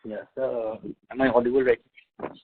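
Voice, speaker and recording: A man, heard over a phone line, asking an analyst's question on a conference call, halting and full of fillers. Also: mid-range voice, level tone, husky. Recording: tinny, echoey phone line.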